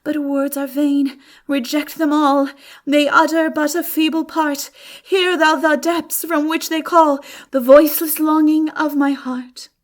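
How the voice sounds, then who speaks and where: A woman performing a lovelorn young man in an audiobook, singing slow, drawn-out verse with melodic yearning. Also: sits high, flat delivery, voice pushed up. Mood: passionate longing.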